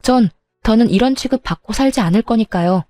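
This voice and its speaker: A woman's voice: on the high side, brisk, no echo, clean studio sound, soft background music. Defiant woman narrating a family feud. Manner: sharp, defiant retorts. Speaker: storyteller narrating as daughter-in-law. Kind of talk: dramatized first-person story narration.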